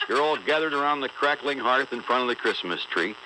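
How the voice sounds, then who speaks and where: Male actor as homespun, stubborn old oatmeal pitchman, bawdy radio parody, deadpan delivery, clearly noisy audio. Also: brisk, lightly acted. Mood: stubborn, argumentative.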